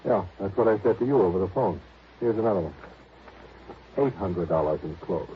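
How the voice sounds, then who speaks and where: A man's voice: low voice, lively intonation, brisk. An actor playing an earnest, fussy male insurance manager in a 1950s radio drama, businesslike and emphatic. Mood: explaining. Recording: dull vintage radio recording, faint noise.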